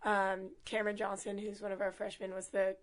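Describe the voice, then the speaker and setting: Hoarse young woman, upbeat and chatty. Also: mid-range voice, monotone, fairly quick. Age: young adult. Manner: upbeat, laughs often, many fillers. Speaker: student athlete, team captain. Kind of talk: casual interview.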